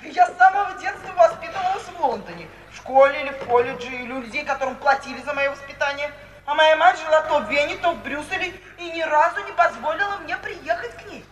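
No-nonsense young graduate, decisive, self-assured, radio play delivery, distant reverberant old recording, faint hiss. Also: female voice, high voice, a bit bright. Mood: sharp, insistent. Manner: matter-of-fact, decisive, bluntly insistent. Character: brisk, self-assured, unsentimental young woman, newly graduated. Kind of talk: 1950s Russian radio play acting.

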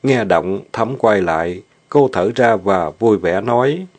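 A man narrating a dramatic story reading, steady and plain. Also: lowish voice, a little slow. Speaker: story reader.

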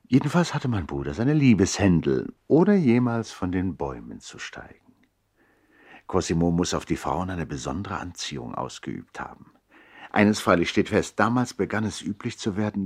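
A wry nobleman recalls his eccentric brother in a 1960s radio play. His voice is very low and husky, with a measured, reflective storytelling manner. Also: full character voice.

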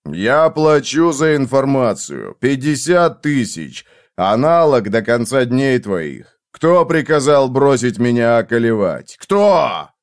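A man's voice: mid-range voice, big pitch swings. A man doing a brutal, menacing avenger. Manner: harsh, menacing, slow and pressing.

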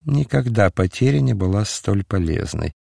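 Sardonic, unflappable eastern mystic, read by a man, a touch gravelly. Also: lowish voice, moderate pace, no echo, studio quality, full character voice. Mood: calm, knowing. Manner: calm, mocking, detached. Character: mysterious calm eastern man, sardonic, speaks in riddles.

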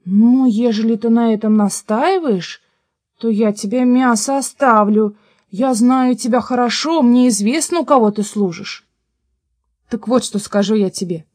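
A woman voicing a stubborn peasant man who scolds loudly and with emphasis, in a storybook reading. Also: on the high side, a little slow, no room sound, clean studio sound. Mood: reasoning.

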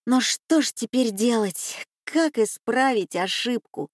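A woman voicing an excitable, anxious young boy in a children's storybook reading, pleading and stammering. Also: fairly high pitch, takes it slowly, dry recording, clean studio sound, pitched above the performer's own voice. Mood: sulky.

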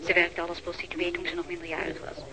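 A teasing vice squad officer, played by an actor in a radio play, talking quickly and wryly. Loud crowd noise carries behind the voice. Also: medium pitch, monotone, natural voice. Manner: teasing, wry. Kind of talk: radio drama acting.

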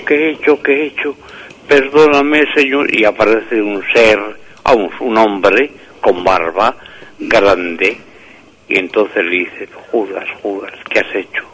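A priest talks in a radio interview with a low, husky voice. He unfolds his tale very slowly, full of fillers and restarted phrases. The sound is that of a radio broadcast. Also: fairly bright tone, low-quality recording. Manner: slow, hesitant, with many restarts and fillers. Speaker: author and priest, interview guest.

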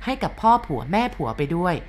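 Female storyteller, expressive, wide-ranging melodic delivery. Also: fairly low pitch, fast talker, a little hiss or hum. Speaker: narrator. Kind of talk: storybook narration.

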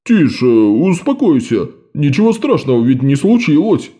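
A man's voice: on the high side, sing-song, normal speed, mellow. A man voicing a fussy, indignant portly middle-aged clerk in an audiobook. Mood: grumbling. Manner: blustering, huffy.

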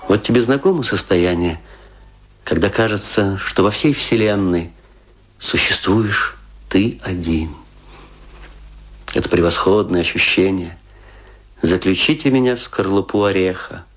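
An actor playing a lonely, embittered, hard-drinking stage actor in a radio play, declaiming theatrically and broodingly with a husky voice. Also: male voice, low-pitched, fairly bright tone, heavily acted. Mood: musing. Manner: declamatory, brooding, with rhetorical questions and long pauses. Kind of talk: theatrical dramatic monologue, Russian radio play.

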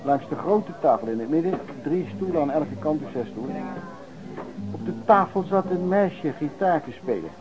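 An actor playing a rough, hard-drinking vagrant pedlar who reminisces in colloquial, old-fashioned, hesitant anecdotes in a Dutch radio play. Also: male voice, on the high side, animated, moderate pace, over music, natural voice. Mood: reflective. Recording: dull, lo-fi radio play recording.

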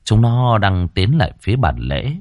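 A man narrating a ghost story in a dramatic, expressive reading. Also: on the low side, moderate pace, no echo.

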